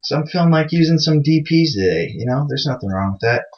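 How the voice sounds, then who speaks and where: Quick and expressive, with a voice on the high side, a man runs a casual coding screencast, joking at his own expense and leaning on fillers. The lo-fi mic gives the sound a dull quality.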